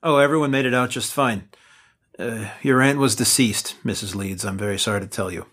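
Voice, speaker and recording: A man acts out an earnest investigator in an audio drama. His voice sits in the middle range with a sharp, forceful edge, tense and easily exasperated. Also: mid-range voice, a little fast, close to an everyday voice. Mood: guarded, polite.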